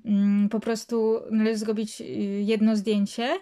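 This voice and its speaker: A woman's voice: medium pitch, level tone, measured pace, mellow. A woman reads a literary passage aloud and then comments on it hesitantly, with many fillers. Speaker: reader and commentator. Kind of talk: reading a literary text aloud, then reflecting.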